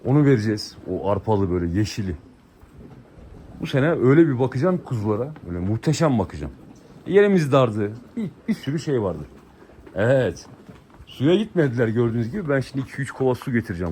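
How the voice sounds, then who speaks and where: A man's voice: medium pitch, big pitch swings, fairly quick, mellow, slight background noise. Chatty man vlogging by his animals. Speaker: vlogger raising lambs. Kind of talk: casual vlog chat to viewers.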